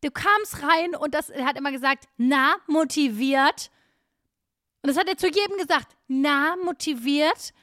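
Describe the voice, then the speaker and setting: Female podcast co-host, high voice, blunt and animated, dry studio sound. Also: fast talker, hardly any pauses, no echo. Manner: animated, outspoken, laughs often. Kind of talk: casual chat.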